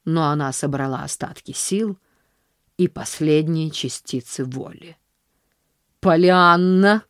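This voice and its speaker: Woman narrator, low voice, dry close sound, measured audiobook reading. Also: a little mellow, no room sound.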